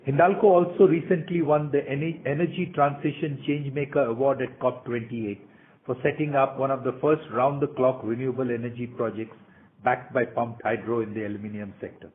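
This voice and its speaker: A man's voice: medium pitch, fairly even intonation, fairly quick. A man in the role of a company executive, formally reading prepared remarks for an earnings call presentation. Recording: tinny, narrow phone conference line.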